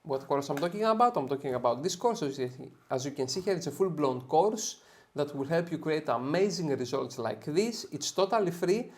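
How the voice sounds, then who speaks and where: A man's voice: on the high side, lively intonation, brisk, a little mellow. A man with a Greek accent, from Greece, hosting an upbeat photo editing tutorial and often checking in with "okay?". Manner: upbeat, tags sentences with "okay?". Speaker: software tutorial host. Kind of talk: screen-share editing tutorial.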